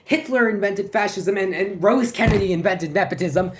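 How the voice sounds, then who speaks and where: Student actor doing a flustered forgetful lecturer, stammers and repeats everything, comic monologue, mid pitched voice. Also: moderate pace, background noise, natural voice. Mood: excited, gathering steam. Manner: stammering, hesitant, repeating words. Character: flustered, forgetful lecturer rambling through world history.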